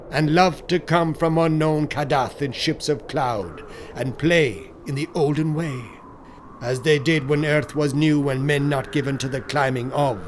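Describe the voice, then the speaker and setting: Solemn, higher-pitched male horror narrator. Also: a little hiss or hum. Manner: solemn, theatrical, deliberate phrasing. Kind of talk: dramatic scripted narration of gothic horror.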